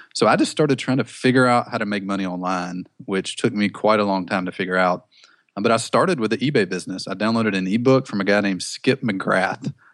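A man's very fast speech with a Southern US accent, ordinary pitch variation and a quiet background. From Mobile, Alabama. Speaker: online entrepreneur. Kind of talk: interview.

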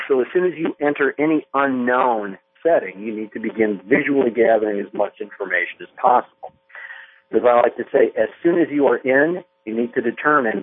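This is a man with an ordinary speaking voice at a medium pitch. He talks at a moderate pace with lively intonation. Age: 50s. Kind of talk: phone interview. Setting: phone call.

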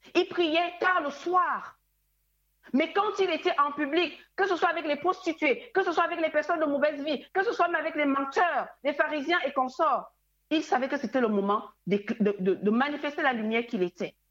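Lively intonation marks a high-pitched woman's voice moving at a moderate speed. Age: 40s. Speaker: preacher. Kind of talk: sermon. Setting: radio broadcast. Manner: fervent, exhortative; emotional, emphatic.

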